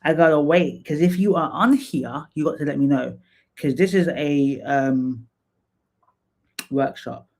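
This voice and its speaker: A woman, hosting a live stream in a casual, chatty way, full of fillers and restarts and quick to laugh. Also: low-pitched, a little mellow. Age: 30s. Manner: chatty, laughs easily, lots of fillers and repeats. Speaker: livestream host and psychotherapist. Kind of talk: casual livestream chat.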